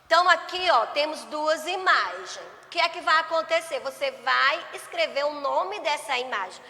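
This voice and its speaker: A woman teaches young children, drawing out each syllable and pausing often to check that they follow. Her voice sits high and bright, and she speaks slowly. A long reverb trails behind her words. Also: expressive. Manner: slow, drawn-out syllables, frequent "né?" and "certo?" checks. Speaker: primary school teacher. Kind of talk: remote class lesson.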